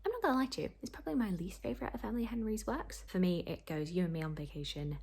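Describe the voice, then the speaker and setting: A woman's voice: medium pitch, animated, very fast, creaky, darkish tone, breathy edge. A young woman chatting casually to camera as a book vlogger, in a rambling, self-deprecating way.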